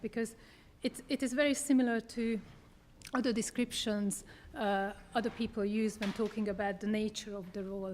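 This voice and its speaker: A woman from Hungary, presenting her book as a dramaturg in a measured public talk with frequent hesitations, holding a microphone. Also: medium pitch, a little mellow, a little hiss or hum. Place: theater event space. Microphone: handheld microphone.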